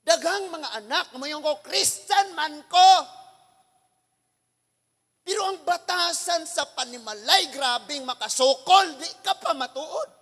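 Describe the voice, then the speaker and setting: A Filipino man preaching a sermon as pastor, animated and emphatic, mixing English scripture lines into his talk with sudden shouts. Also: extremely high pitch, unhurried, hardly any pauses, long reverb tail. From Philippines.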